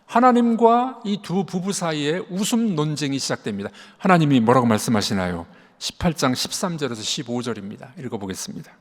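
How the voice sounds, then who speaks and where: A man preaching a Sunday sermon as senior pastor, animated, acting out dialogue and dropping to soft asides. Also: a little high, fairly quick. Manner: animated, acts out dialogue with God and Sarah. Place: church sanctuary. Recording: long church reverb.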